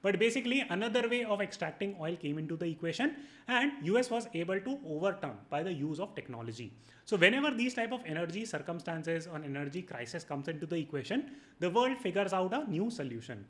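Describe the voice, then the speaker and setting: Fast, high-pitched North Indian man explaining. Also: sing-song. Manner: didactic, emphatic, mixes in Hindi phrases. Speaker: video host and educator. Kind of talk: explanatory monologue to viewers with numbered points.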